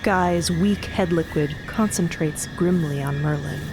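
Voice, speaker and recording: A woman narrates a scripted audio drama in a fairly low voice. Her delivery is dramatic storytelling, with music playing behind her. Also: a little slow, low-quality recording.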